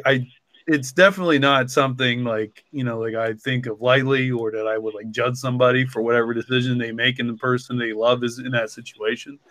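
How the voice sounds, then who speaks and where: This man, who co-created a podcast and writes stories, has a mid-range, somewhat bright voice recorded without any room sound. He rambles loosely and reflectively, leaning heavily on "like" and "you know."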